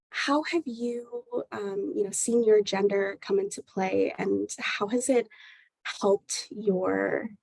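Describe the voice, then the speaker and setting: A woman's voice: mid-range voice, vocal fry, breathy edge, no echo. A woman hosting an interview podcast, asking questions in a hesitant way with many fillers.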